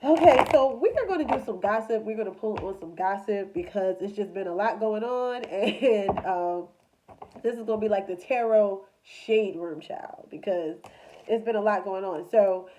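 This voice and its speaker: A woman's voice: mid-range voice, moderate pace, background noise. A congested woman doing a casual, chatty tarot reading with a loose, filler-heavy way of talking. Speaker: tarot reader.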